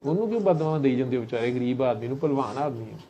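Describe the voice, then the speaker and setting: A host, joking and teasing in relaxed conversation. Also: medium pitch, quick pace, a little hiss or hum. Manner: joking, teasing, frequent listening hums. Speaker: host, healer. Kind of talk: casual conversation.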